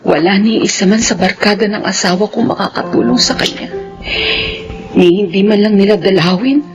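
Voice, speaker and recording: A woman's voice: mid-range voice, normal speed, lightly acted. A woman playing a worried, devoted wife. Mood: distressed. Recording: dull lo-fi sound with faint music.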